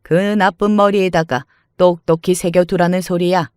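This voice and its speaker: A man voicing a domineering, scornful older mother-in-law, scolding in a shrill, contemptuous way. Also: fairly even intonation, normal speed, clear, resonant tone, no room sound, clean studio sound, lightly acted. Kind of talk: dramatized story reading.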